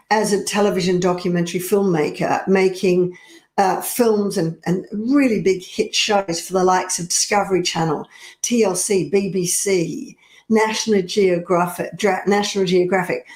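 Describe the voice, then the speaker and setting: A woman's voice: lowish voice, steady tone, darkish tone. A middle-aged woman, a personal power coach, speaking earnestly and confidingly straight to the viewer. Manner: slow, earnest and confiding, addressing the viewer directly. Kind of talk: direct-to-camera coaching talk. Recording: roomy echo.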